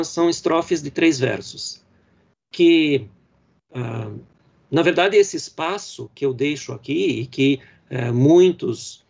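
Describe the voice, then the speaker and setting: A male professor from Brazil giving a university lecture on poetry, explaining patiently with frequent fillers and reading verse lines slowly. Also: fairly high pitch, vocal fry, darkish tone, slightly rough, muffled recording. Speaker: literature professor.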